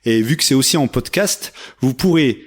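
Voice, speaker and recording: A man's voice: medium pitch, animated, normal speed, breathy edge. A man hosting a children's story hour on the radio, playful and chatty, talking directly to his listeners.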